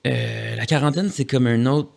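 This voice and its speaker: Gravelly-voiced man with a Quebec accent. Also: medium pitch, darkish tone. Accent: Quebec French. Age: 30s. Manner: rambling, halting, lots of fillers and restarts. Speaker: podcast guest. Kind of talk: casual conversation. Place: studio.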